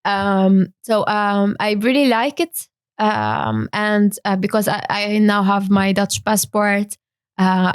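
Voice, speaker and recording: Young woman from Syria, interview guest, halting delivery, dry sound. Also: mid-range voice, no room sound. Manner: hesitant, many fillers and restarts. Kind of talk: interview talk.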